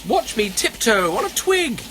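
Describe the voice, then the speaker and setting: A man voicing a small, nimble female squirrel in a children's storybook, squeaky and eager to help. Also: big pitch swings, a little slow, noisy background, exaggerated voice.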